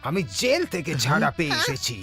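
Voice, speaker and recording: A male cartoon villain with a creaky, gravelly voice. He swings widely in pitch as he brags and threatens, menacing and hungry for revenge. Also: wildly swooping pitch, brisk, a bit bright, faint music behind, full character voice. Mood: menacing, boastful. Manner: menacing, boastful, repeats a catchphrase. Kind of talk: exaggerated cartoon dub acting.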